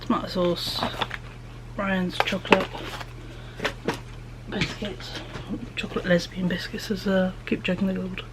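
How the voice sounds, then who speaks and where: A woman with a fairly low voice speaks in a level tone at a measured pace, leaving long pauses. She's a vlogger casually chatting through a grocery haul at home, full of ums, drifting into soft half-whispers, with a slight hay fever wheeze. Background noise is audible in the recording.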